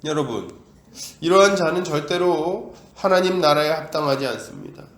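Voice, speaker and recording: At a normal speed, the pastor's slightly high, a bit bright voice moves with lively intonation through the roomy church. His emphatic sermon includes rhetorical questions and dramatized voices of doubters and of God.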